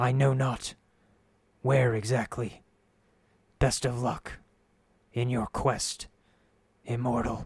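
Fairly slow, medium-pitched speech from a man doing a put-on character voice. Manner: slow, formal, heavy pauses.

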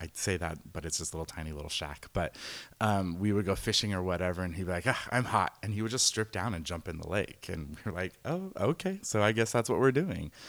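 A man with an American accent talks at a fairly quick pace in a very deep, low pitch. His pitch varies in an ordinary way, and the recording is very clean with a silent background. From Southern California. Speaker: naked social group organizer. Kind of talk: interview conversation.

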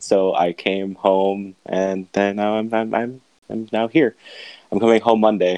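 A man speaks quietly at a fairly slow pace, his fairly low pitch carrying a dark, mellow tone. His intonation is fairly even, and the sound is dry and close with no echo. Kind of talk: casual chat. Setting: remote call from a hotel room.

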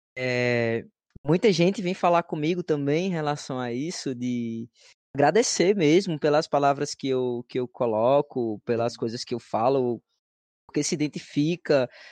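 In an ordinary speaking voice, a man talks at a fairly slow pace and a fairly high pitch with ordinary pitch variation, the sound dry and close with no echo against a quiet background. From Brazil, Paraíba. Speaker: musician and activist. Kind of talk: casual interview chat.

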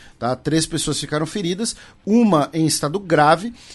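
With lively intonation, a moderate pace and a fairly high pitch, a man speaks in an ordinary speaking voice. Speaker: podcast host, international politics commentator. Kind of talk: news commentary. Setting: studio recording late at night. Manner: frequent fillers like tá and né.

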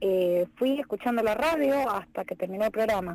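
The speaker has a Rioplatense accent and talks at a fairly quick pace. Pitch variation is ordinary, with noticeable background noise. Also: woman. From Argentina. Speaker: radio caller. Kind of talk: personal story. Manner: halting.

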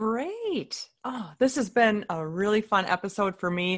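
A normal speaking voice with lively intonation over a quiet background. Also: woman. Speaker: podcast host. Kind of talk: casual interview chat.

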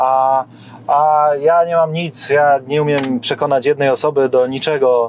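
The intonation is monotone and flat, set against noticeable background noise. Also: man, fairly high pitch for a man, fairly slow pace. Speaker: podcast host. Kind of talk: interview. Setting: in a car. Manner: calm.

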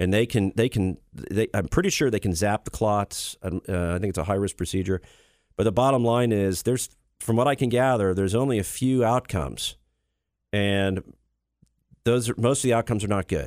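A man talks at a fairly quick pace in a fairly low voice with ordinary pitch variation, an ordinary speaking voice. The recording is very clean, with a silent background and a dry, close sound with no echo. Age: 50s. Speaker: radio host, criminal defense attorney. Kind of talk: casual talk radio chat.

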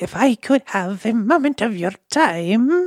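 A put-on character voice, female-sounding and fairly high-pitched, at a fairly slow pace. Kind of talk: elderly lady-like. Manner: quiet.

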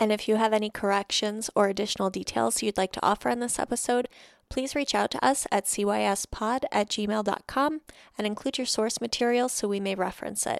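An unremarkable speaking voice, a woman's, fairly high-pitched and fairly quick, dry and close with no echo on a very clean recording with a silent background. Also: ordinary pitch variation. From North Carolina. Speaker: true crime podcast co-host. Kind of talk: casual chat.

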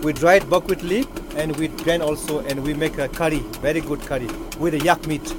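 Against noticeable background noise, a man speaks at a fairly quick pace and a fairly high pitch with fairly even intonation. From Nepal, Kagbeni (Mustang region). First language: local Himalayan language or Nepali. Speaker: hotel manager and local guide. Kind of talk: guided tour explanation.

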